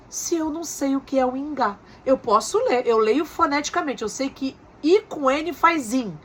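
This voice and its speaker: A woman's voice: high-pitched, a bit bright. A woman giving a recorded lecture as a teacher, explaining step by step with frequent tag questions and rhetorical questions.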